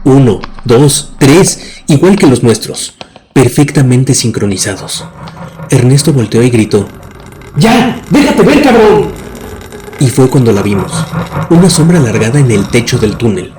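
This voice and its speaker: A man's voice: mid-range voice, normal speed, noisy background. A man narrating scripted horror stories in a dramatic, suspenseful way. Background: music bed.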